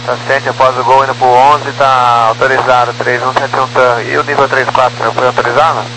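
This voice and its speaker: A man's voice: mid-range voice, little pitch movement, normal speed. A man working as a pilot, giving clipped procedural readbacks over a walkie-talkie style two-way radio. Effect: two-way radio transmission. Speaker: airline pilot. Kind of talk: radio readback to air traffic control. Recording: noisy humming two-way radio.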